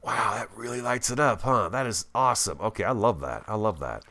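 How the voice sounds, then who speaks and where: Male gaming host, low voice with big swings in intonation, swollen tongue, thinks out loud in casual, excitable commentary. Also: brisk. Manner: chatty, thinks aloud, easily excited.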